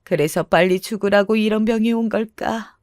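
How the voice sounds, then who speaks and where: A frail old widow from a narrated family story, acted out by a woman. She talks bluntly and roughly, like a muddled mother who has lost too much. The sound is dry and close. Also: mid-range voice, a little mellow, dry recording, natural voice. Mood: bitter, lamenting. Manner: slow, rough-tongued old woman's speech. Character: frail, bereaved elderly mother-in-law, blunt and confused.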